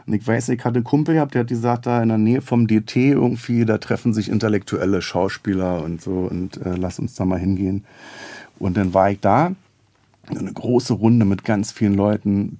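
A comedian from West Berlin with a Berlin accent, chatting casually and rambling with many fillers. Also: male voice, fairly low pitch, fairly even intonation, fairly quick, mellow. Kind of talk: casual conversation.

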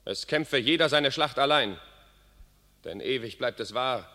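Sharp-voiced, arrogant knight in ringing hall. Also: male voice, medium pitch, animated, a little slow. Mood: contemptuous. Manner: declamatory, contemptuous. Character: fierce, arrogant English nobleman soldier. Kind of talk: classical German verse radio play. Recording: long reverberant hall sound.

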